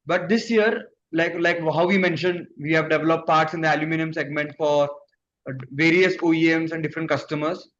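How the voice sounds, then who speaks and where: A man's voice: on the high side, fairly even intonation, fairly quick, a bit bright. A man with an Indian accent, a company executive answering investors on an earnings conference call. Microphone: conference call line. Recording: muffled conference call, background noise.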